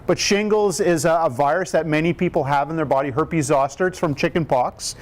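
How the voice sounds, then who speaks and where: A man in his fifties with a booming voice leads a live question-and-answer session, explaining health matters in plain, upbeat talk. He pitches a little high and keeps turning to the room with rhetorical questions. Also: a little fast. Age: 50s. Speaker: cardiac rehab educator.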